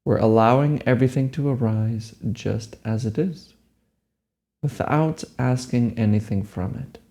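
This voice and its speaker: A man leading a guided meditation, giving gentle, unhurried instructions. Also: medium pitch.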